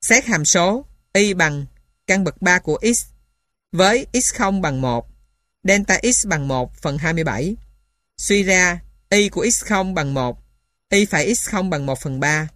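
In clean studio sound with no room noise, a woman reads a mathematics textbook as scripted narration, dictating formulas and punctuation symbol by symbol. Her voice sits on the low side, animated and fairly bright, at a measured pace.

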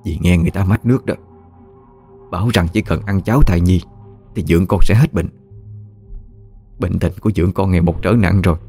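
A man's voice: deep voice, a little fast, long pauses, dark tone, husky, soft background music. A man voicing a scheming older aunt who scolds and threatens her niece. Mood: scolding. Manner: scolding, harsh, wheedling.

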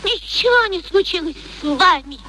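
High-pitched, wounded, furious young woman. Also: animated, moderate pace, pushed and bright, slight background noise, exaggerated voice, poor audio. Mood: furious, bitter. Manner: impassioned, theatrical, exclamatory. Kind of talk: classic Russian radio play acting.

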